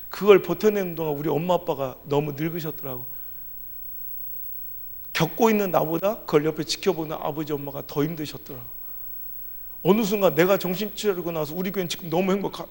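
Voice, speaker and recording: Emotional pastor, high gravelly voice. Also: male voice. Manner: emotional storytelling, swinging from soft to loud. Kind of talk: revival sermon. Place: large church hall. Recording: echoey hall with long reverb.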